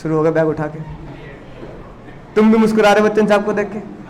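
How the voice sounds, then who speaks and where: High-pitched male teacher who makes a lively, story-driven classroom lecture. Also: brisk, a little hiss or hum. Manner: animated storytelling, teasing the students. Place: classroom with students.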